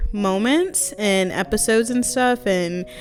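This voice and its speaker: Someone with an American accent speaks while music plays in the background. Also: woman. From Texas. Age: 20s. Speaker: content creator. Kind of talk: casual talk to camera.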